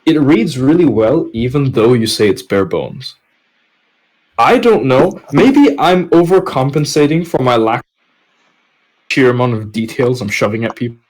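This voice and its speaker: A man's voice: mid-range voice, expressive, measured pace, a little mellow. A man chatting casually on a podcast, joking and self-deprecating. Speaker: podcast reader and co-host. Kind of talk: casual group chat. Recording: clearly noisy background.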